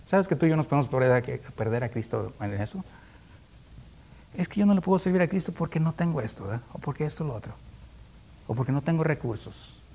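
A man's voice: a little high, animated, brisk, mellow, breathy edge. A man preaching in a conversational Bible-teaching style, asking rhetorical questions, constantly checking in with his listeners, and chuckling often. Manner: rhetorical questions with frequent tag questions.

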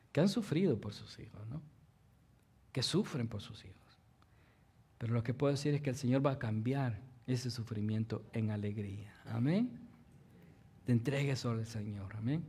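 A man preaching a sermon as pastor. He asks the congregation rhetorical questions, keeps tagging his lines with "¿verdad?", and swings from loud emphasis to soft, almost whispered passages. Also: fairly high pitch, breathy edge.

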